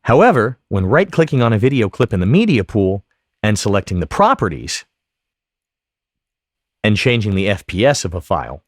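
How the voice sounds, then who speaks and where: A man narrating a software tutorial as an instructor, explaining each step methodically. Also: fairly low pitch, sing-song, normal speed, pauses often, dry recording, clean studio sound. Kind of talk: instructional screen-recording narration.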